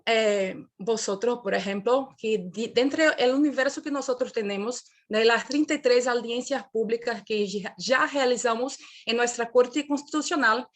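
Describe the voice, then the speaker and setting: A Brazilian woman speaks in a fairly high voice, lecturing over a video call. She talks in a non-native, Portuguese-tinged way, pausing and restarting as she searches for words. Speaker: panel speaker.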